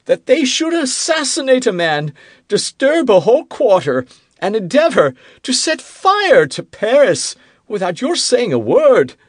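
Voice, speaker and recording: A man voicing a fretful, self-pitying king who turns irritable and accusing, with a high, whiny, petulant voice in an audiobook. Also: sing-song, measured pace, no echo, studio quality, full character voice. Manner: rising into indignant outbursts. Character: fretful, self-pitying middle-aged king, quick to anger. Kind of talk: audiobook character reading.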